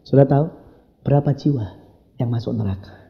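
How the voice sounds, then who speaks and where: A man preaching a sermon to a congregation, swinging from loud emphasis to hushed whispers and acting out his talks with God. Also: mid-range voice, brisk, creaky, muffled recording. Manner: addresses congregation as "saudara", acts out dialogues with God. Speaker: pastor. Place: church hall.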